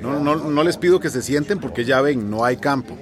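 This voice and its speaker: A man's voice: medium pitch, moderate pace, a crowd in the background, close to an everyday voice. A man playing a weary small-town mayor. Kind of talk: radio drama acting.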